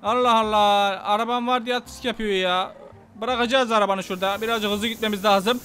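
A young man commenting excitedly on a game he is playing, talking to viewers and taunting enemies. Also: high-pitched, fairly quick, slight background noise. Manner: excitable, banters with enemies, addresses viewers as friends. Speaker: gaming YouTuber. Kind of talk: Let's Play commentary.

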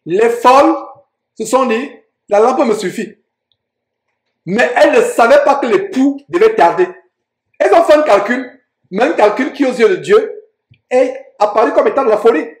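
Man, preacher, high-pitched, emphatic, rhetorical questions, echoey room. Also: lively intonation, moderate pace. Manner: emphatic, rhetorical questions, reads verses aloud. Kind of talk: sermon teaching on Bible verses.

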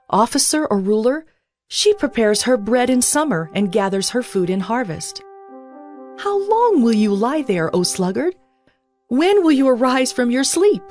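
Woman, higher voice, very lively intonation, admonishing, dramatized scripture narration. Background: music.

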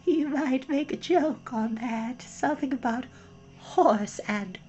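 A woman putting on a minuscule storybook gnat who speaks in a small, soft, high voice, slow and hushed, almost right at your ear. He is plaintive and wistful, pleading for a friend. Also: faint music behind. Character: tiny sad male gnat, plaintive and joking.

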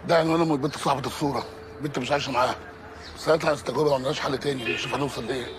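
An actor playing a stern, bossy senior investigator in a film, clipped and commanding, with an Egyptian accent. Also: male voice, mid-range voice, fairly even intonation, rapid-fire, lightly acted. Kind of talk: screen drama acting. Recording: clear background ambient noise.

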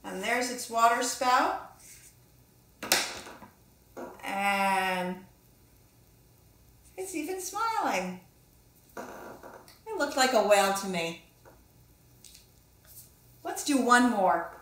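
High-voiced, encouraging woman in an echoey room. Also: big pitch swings, extremely slow, long pauses, fairly bright tone. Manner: encouraging, musing aloud with questions to the viewer. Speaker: children's author and illustrator giving a drawing lesson. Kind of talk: casual instructional talk to children. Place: small indoor room with echo.

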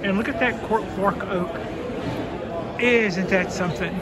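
A woman on a handheld phone, ambling through a packed indoor expo and chattering on in a rambling, delighted way. A loud crowd chatters all around her, close to the mic. The sound is plain, casual phone audio from a crowded hall. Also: mid-range voice, a little slow. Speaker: vlogger touring a bonsai expo. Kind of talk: handheld walk-through commentary. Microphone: handheld phone camera.

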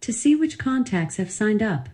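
A woman's voice: medium pitch, sing-song, moderate pace, mellow. A synthetic woman's voice giving replies as a smart speaker voice assistant.

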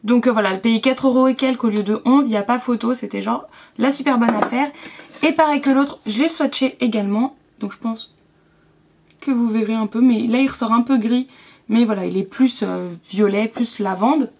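A young woman chatting casually through a beauty haul, with lots of fillers and quick asides. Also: a little high, a little mellow, a little hiss or hum. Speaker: beauty vlogger.

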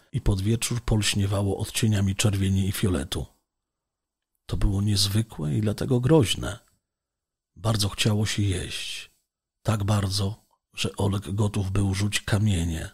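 Lektor audiobooka o głębokim, zachrypniętym głosie. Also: male voice, lowish voice, husky. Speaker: audiobook narrator. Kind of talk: scripted narration of a novel.

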